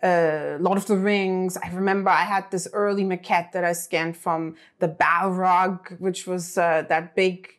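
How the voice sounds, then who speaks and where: A woman's voice: on the low side, steady tone, measured pace, hardly any pauses. A middle-aged woman whose first language is German, telling stories in a casual, chatty way, full of fillers and restarts. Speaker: interview guest. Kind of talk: casual storytelling.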